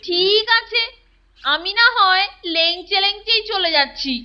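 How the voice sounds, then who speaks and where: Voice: very high voice, animated, a little slow, muffled recording. A performer voicing a whiny, put-upon young schoolboy in a Bengali cartoon, dramatic and exclamatory. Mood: whiny, sulky. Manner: whining, exclamatory. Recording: loud children's music behind.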